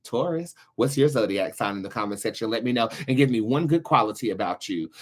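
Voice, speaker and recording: A man speaks at a medium pitch as a tarot reader and host. He talks casually and directly to his viewers. His manner is sassy and brash, and he swears freely. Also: animated, quick pace. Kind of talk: casual live tarot reading chat to viewers.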